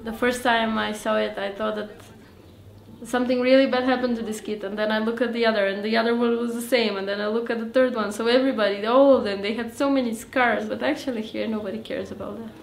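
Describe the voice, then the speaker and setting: A woman's voice: fairly high pitch, steady tone, fast, creaky, slight background noise. A young woman from Bulgaria, chatting frankly and with easy amusement as a volunteer English teacher in a documentary interview. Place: plain room indoors. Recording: echoey room.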